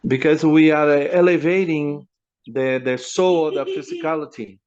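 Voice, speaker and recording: Halting Spanish-accented man interpreting. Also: fairly high pitch, fairly even intonation, darkish tone. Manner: halting, searching for words, many fillers. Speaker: volunteer interpreter. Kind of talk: live consecutive interpreting on a video call. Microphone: video call. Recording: lo-fi video call audio.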